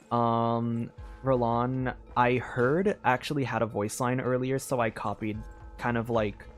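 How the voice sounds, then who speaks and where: Male livestreamer, mid-range voice, hesitant and chatty, thinking aloud at home with music playing behind. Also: medium pitch. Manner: hesitant, rambling, filler-heavy explanations. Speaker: streamer playing a game and voicing its dialogue. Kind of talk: casual livestream chat. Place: room at home.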